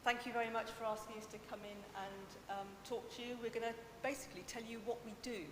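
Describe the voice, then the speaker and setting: A woman who manages museum public programmes, introducing a presentation to a council committee in a loud, upbeat voice. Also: fairly even intonation, fast talker. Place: council chamber. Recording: echoey chamber with rumble.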